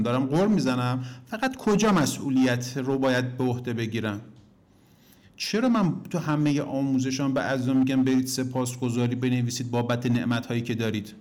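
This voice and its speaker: A man teaching a relationship course to his students, talking to them directly, telling anecdotes and pushing his points with big rises and falls in pitch. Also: a little mellow. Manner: emphatic, swings pitch up and down for emphasis; addresses listeners directly as "kids".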